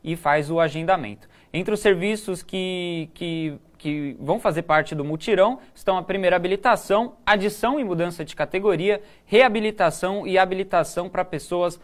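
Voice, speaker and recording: A man co-presenting a newsroom talk show, relaxed and chatty, often pausing with fillers and restarting his sentences. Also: high-pitched. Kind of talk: casual news chat.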